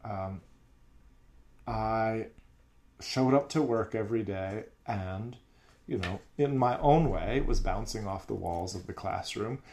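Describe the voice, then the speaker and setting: A man's voice: on the low side, slow, a little mellow. A man who teaches music, talking in an earnest, reflective way in a casual podcast chat.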